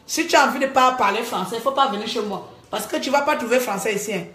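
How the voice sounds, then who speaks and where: A woman talking to her viewers in a live-stream monologue, animated, scolding and joking by turns. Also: a little high, quick pace, slight background noise. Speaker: livestreamer. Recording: echoey room.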